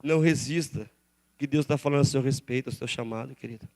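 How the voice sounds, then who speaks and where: A Brazilian pastor preaching a sermon in a church, calling on the congregation to repeat phrases and respond aloud. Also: male voice, medium pitch, fast talker, darkish tone. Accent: Brazilian Portuguese. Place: church sanctuary.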